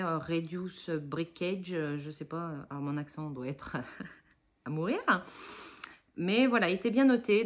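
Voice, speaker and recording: A woman in her forties chatting casually in a haul vlog, rambling and self-mocking, with many fillers. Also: mid-range voice. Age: 40s. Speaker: budget haul vlogger.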